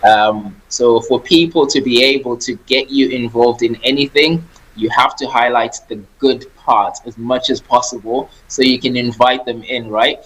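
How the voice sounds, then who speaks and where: A man's voice: mid-range voice, steady tone, normal speed, fairly bright tone, rough recording. A married man from Zimbabwe, a property investor and former engineer, talking as a guest on a radio show in a friendly, chatty way. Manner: friendly, laughing, talkative, repeats words. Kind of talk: radio interview.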